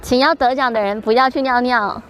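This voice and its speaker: Very high-pitched Taiwanese woman chatting excitedly. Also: fairly quick, slight background noise. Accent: Taiwanese Mandarin. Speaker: voice actress vlogging an awards night. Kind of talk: excited casual chat while watching an awards livestream.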